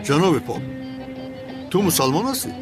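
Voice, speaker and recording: A pushy, demanding bully, dubbed by a man who gives blunt orders. His pitch swings widely and sits a little high. Clear music plays behind him. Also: sing-song. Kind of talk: film dub.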